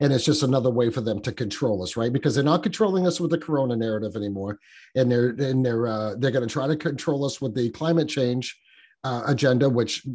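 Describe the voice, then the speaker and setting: Against a quiet background, a man with a northern New England accent talks very fast at a medium pitch. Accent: northern New England, Boston-like, heavy. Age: 50s. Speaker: podcast host, UFO enthusiast. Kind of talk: casual roundtable chat. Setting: video call.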